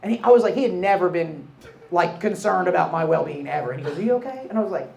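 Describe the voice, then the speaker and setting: A man's voice: fairly high pitch, quick pace, creaky, reverberant, crowd noise. A man telling a crude, profane, self-mocking story at a live storytelling show.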